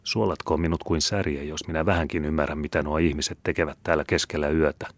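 A man's voice: rumbling low, steady tone, a bit bright, dry recording. A man voicing a stout, blustering old army captain who curses and grumbles. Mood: grumbling. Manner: gruff, cursing, boisterous.

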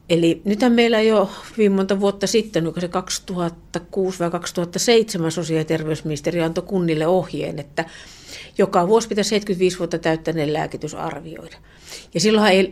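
A woman professor speaking as an expert guest on the radio, her voice a little low. She explains earnestly, restarting often and letting her sentences trail off softly. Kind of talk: radio interview.

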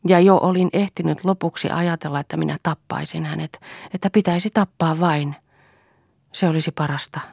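A woman voicing a distraught middle-aged man who speaks quietly and haltingly, in an audiobook. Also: deep voice, steady tone, gravelly, breathy edge, no echo, clean studio sound, pitched above the performer's own voice, exaggerated voice. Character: shaken middle-aged man confessing in a hushed voice.

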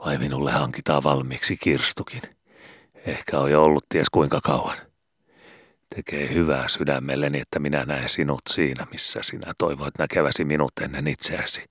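Male reader voicing a commanding, mocking old father, very deep voice. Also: fairly even intonation, a bit bright, slightly rough, no echo, clean studio sound, heavily acted. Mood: sarcastic. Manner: barking, commanding, sarcastic. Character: gruff dying old rich father, domineering. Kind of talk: audiobook character voice.

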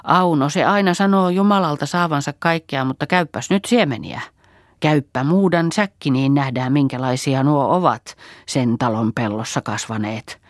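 A woman's voice: low voice, no echo, studio quality, lightly acted. A woman voicing a mocking young peasant woman in an audiobook. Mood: taunting. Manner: taunting.

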